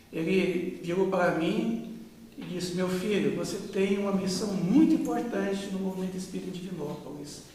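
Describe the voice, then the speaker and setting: A man in his fifties from Brazil speaks in a fairly high voice, slowly reminiscing with frequent pauses and fillers. He sounds distant from the microphone in a very echoey room with a long reverb tail, and a faint hiss sits underneath. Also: darkish tone. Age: 50s. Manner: unhurried, with many pauses and fillers. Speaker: interviewee. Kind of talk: reminiscing oral-history interview. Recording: echoey room, mic far off.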